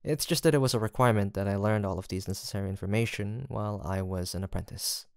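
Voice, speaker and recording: Low-voiced, gentle fantasy apothecary, acted by a man. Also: quick pace, vocal fry, dry recording, studio quality. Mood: flustered, reassuring. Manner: formal, courteous, hesitant, soft-spoken. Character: gentle, earnest, guilt-haunted male apothecary in fantasy village. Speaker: voice actor in an audio roleplay. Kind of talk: soft, sweet roleplay acting addressed to the listener.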